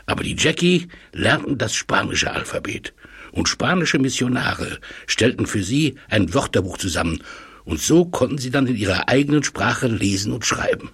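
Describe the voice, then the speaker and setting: An actor playing a learned male professor in an audio drama, explaining things deliberately with scholarly admiration and a husky voice. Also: medium pitch, big pitch swings, a bit bright, full character voice. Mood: fascinated, scholarly. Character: astonished, admiring elderly male language professor. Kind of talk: German audio drama acting.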